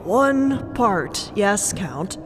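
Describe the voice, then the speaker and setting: A woman's voice: medium pitch, sing-song, very slow, over music. A woman voicing a nervous, deferential male timekeeper officer in an audio drama, hesitant and stammering. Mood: flustered, hedging. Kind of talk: audio fiction acting.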